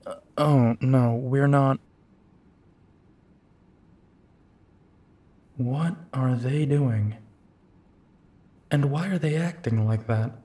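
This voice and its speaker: A man as a slow-talking, tired detective. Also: medium pitch, warm tone. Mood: flustered. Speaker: audio roleplay actor. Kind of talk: intimate detective roleplay acting.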